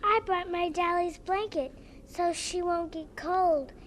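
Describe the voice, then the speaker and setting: A woman's voice: very high voice, slow pace, a little hiss or hum. A woman playing a sweet, innocent small gypsy girl in a radio drama.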